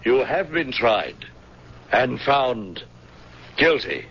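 An actor playing a cold, merciless interrogator in a 1970s radio drama, issuing clipped, imperious commands. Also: male voice, mid-range voice, big pitch swings, drawn-out words, noisy background, heavily acted. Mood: cold, commanding. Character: cold, merciless interrogator passing a death sentence. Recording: dull vintage radio recording.

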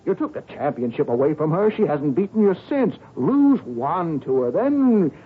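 Brief: smooth-talking, desperate gambler; swooping pleas, lo-fi broadcast. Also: male voice, on the high side, sing-song, normal speed. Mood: coaxing. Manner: coaxing, stammering, pleading. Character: wheedling man, gambler, manipulative suitor. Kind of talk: 1940s radio acting. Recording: tinny old radio broadcast.

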